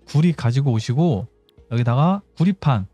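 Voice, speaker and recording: A man hosts a casual game walkthrough in a slightly mellow voice with highly varied intonation. He explains step by step, thinking aloud. Music plays lightly behind him. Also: expressive, moderate pace, husky, no echo. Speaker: gaming channel host. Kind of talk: casual game tutorial commentary.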